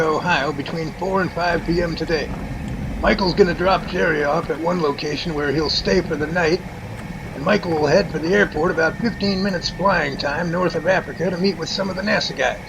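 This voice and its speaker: A man's voice: fairly high pitch, fairly even intonation, fairly quick, vocal fry, background noise. A man playing a chatty, folksy professor who explains things at length in an amateur radio drama. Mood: explaining.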